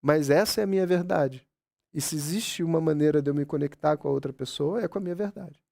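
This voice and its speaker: A man speaks in a conversational talk to a live audience. His voice is gravelly and dark, sitting a little high for a man. He keeps checking in with the listeners as he goes. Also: quick pace. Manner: conversational, keeps asking "sabe?" and "você entende?"; acts out quoted dialogue with his mother. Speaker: spiritual speaker.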